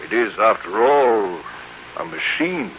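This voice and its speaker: An actor playing an authoritative scientist in a 1950s radio drama, formal, emphatic and explanatory. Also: male voice, fairly low pitch, expressive, takes it slowly, a bit bright. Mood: didactic. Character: authoritative robot scientist explaining his machine calmly. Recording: muffled, noisy old radio recording.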